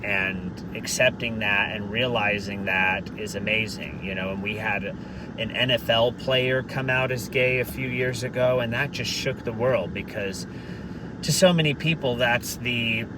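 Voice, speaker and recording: A man with a deep voice speaking earnestly and candidly in a casual question-and-answer video, sometimes swearing for emphasis. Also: steady tone, measured pace. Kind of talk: casual Q&A monologue. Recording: distant mic, noisy background.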